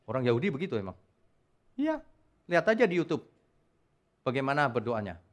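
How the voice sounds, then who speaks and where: A man preaching a sermon at a church service, emphatic and animated, with loud peaks. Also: medium pitch, a little fast. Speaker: pastor.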